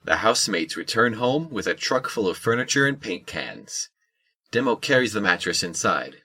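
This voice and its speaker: A man playing a wry storyteller, narrating a scripted audio drama in a measured way. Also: fairly low pitch, sing-song, bright, forceful tone, exaggerated voice.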